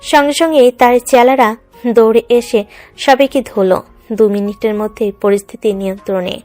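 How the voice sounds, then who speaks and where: A woman's voice: on the high side, fairly even intonation, moderate pace, darkish tone. A woman reading dramatic scripted narration for a love story. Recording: music under the voice.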